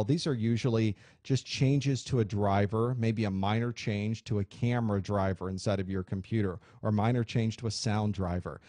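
Guy doing a computer how-to lesson, warm low voice, explains step by step, dry close sound. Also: dry recording. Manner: clear, steady explanatory delivery. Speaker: IT instructor. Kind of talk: screen-recorded tech tutorial.

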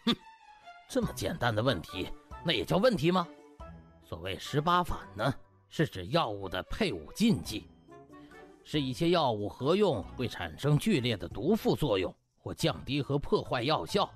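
A man acts out a pompous doctor in a comic audiobook. He is boastful and huffy, with very animated intonation over background music. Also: medium pitch, normal speed, close to an everyday voice. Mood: haughty. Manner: haughty snorts, boastful. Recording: music bed behind.

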